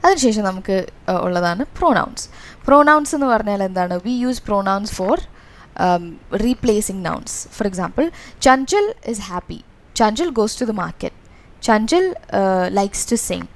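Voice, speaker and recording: A woman's voice: mid-range voice, lively intonation, drawn-out words. A woman with a Malayali accent coaching students through exam revision, explaining in a mix of Malayalam and English with many fillers. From Kerala, India.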